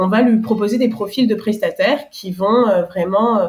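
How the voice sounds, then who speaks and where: This woman's voice sits fairly high and sounds somewhat breathy. Her pitch varies in an ordinary way. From France, Paris. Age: 30s. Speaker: entrepreneur. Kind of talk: interview conversation. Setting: podcast. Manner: hesitant, many fillers.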